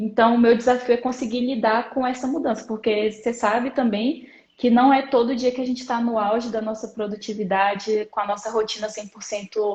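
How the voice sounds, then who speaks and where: Using an ordinary speaking voice, a woman talks at a moderate pace and fairly high pitch with fairly even intonation. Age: 20s. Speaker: course student. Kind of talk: mentoring conversation on a live stream.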